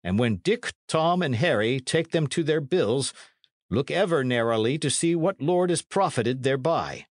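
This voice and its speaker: A man's voice: mid-range voice, animated, moderate pace, no room sound, clean studio sound, pitched above the performer's own voice, lightly acted. A man voicing a portly middle-aged priest in an audiobook, fretful and scholarly, with pompous, exclamatory archaic speech. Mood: deliberating, pompous.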